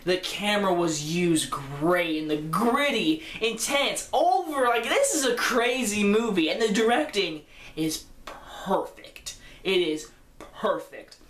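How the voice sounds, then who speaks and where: A man's voice: high-pitched, slow pace, a bit bright, a little hiss or hum. A fifteen-year-old boy giving an enthusiastic, rambling casual movie review that keeps correcting itself. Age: teenager, fifteen. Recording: roomy echo.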